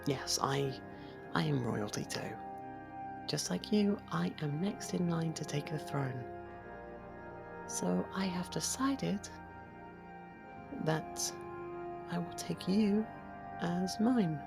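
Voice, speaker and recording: A performer voicing a sly, possessive faerie royal in an ASMR fantasy roleplay, coy and deliberate, drifting toward whispers. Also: medium pitch, animated, creaky, over music, voice pushed up. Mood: smug, possessive.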